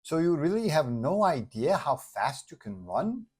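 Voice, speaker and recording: A man's voice: fairly high pitch, very animated, unhurried, slightly rough, exaggerated voice. A man voicing a skeptical magazine reporter who puts pointed questions in a superhero story. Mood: curious.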